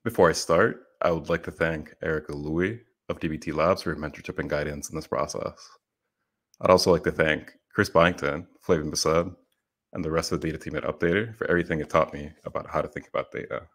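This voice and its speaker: Very deep-voiced young man presenting a talk. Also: a little fast. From Puerto Rico. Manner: earnest, steady explanatory delivery. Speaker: conference speaker. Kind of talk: prepared conference presentation. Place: small room at home. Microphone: headset.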